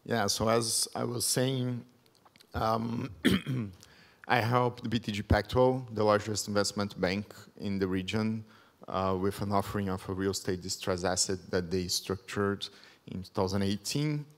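A man in his thirties from Brazil, speaking English with a Brazilian accent as a second language. He gives a careful conference presentation at a podium mic, with frequent ums. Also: on the low side. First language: Portuguese. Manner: measured, careful non-native English with many ums. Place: large conference hall, at a podium. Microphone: podium microphone.

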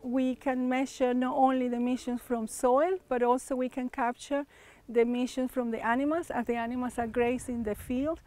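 A woman's voice: high-pitched, normal speed. Woman explaining in an outdoor field. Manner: steady, explanatory, with small hesitations. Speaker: researcher. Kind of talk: on-camera explanation. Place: outdoors in a pasture. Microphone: lapel mic. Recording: faint music underneath.

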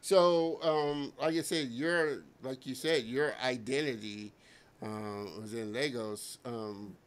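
Male host in his fifties, upbeat, smooth resonant voice, close studio mic. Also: mid-range voice, steady tone, slow. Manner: enthusiastic, repeats words warmly. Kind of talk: live-streamed interview. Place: home studio with colorful lighting. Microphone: studio mic on boom arm.

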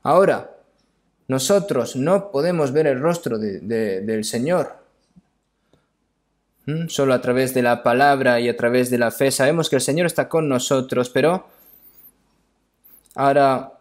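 A medium-pitched male voice delivers a sermon with readings from scripture. He speaks haltingly, says phrases more than once, and often adds short tags that sound like questions.

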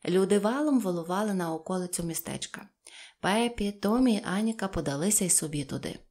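A woman's voice: mid-range voice, animated, brisk, a little mellow. Woman reading a children's story. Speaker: audiobook reader.

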